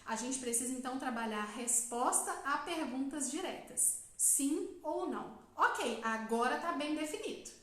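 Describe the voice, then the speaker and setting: A Brazilian woman gives a live-stream talk as a psychologist. Her voice sits high and carries through a strongly echoing room. She explains patiently and keeps checking in with her listeners. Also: lively intonation, normal speed, few pauses, a bit bright. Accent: Brazilian Portuguese. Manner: explanatory, frequent "tá?" check-ins, asks questions and answers them herself.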